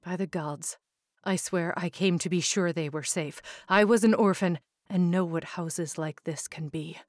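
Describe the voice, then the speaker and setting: Woman doing a scared guy thief begging, lowish voice, dry close sound. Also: unhurried, no room sound, lightly acted. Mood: pleading. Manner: urgent, pleading. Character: frightened male orphan thief, pleading.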